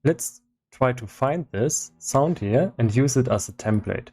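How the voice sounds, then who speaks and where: A man doing casual livestream commentary as he works on game development, thinking aloud in a halting way. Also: medium pitch, lively intonation, darkish tone, breathy edge. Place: indoors in his own room.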